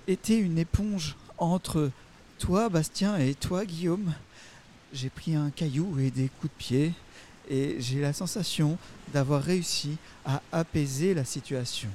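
A man's voice: a little high, darkish tone, a little hiss or hum, voice pushed up. A man playing an earnest, pedantic father who asks formal, therapist-like questions in an improvised audio comedy sketch. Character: earnest, pedantic father preaching calm, barely composed.

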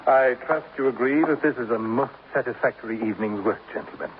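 An actor playing a smug, florid older killer, mocking and very pleased with himself, in 1950s radio acting. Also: male voice, medium pitch, quick pace, lightly acted. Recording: tinny, lightly hissy old radio broadcast.

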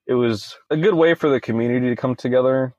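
Young male guest, casual storyteller with plenty of "you know"s, mid-pitched, dead-dry recording. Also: fast talker, a little mellow, no room sound, lo-fi sound. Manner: conversational, leans on "you know" fillers. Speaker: podcast guest.

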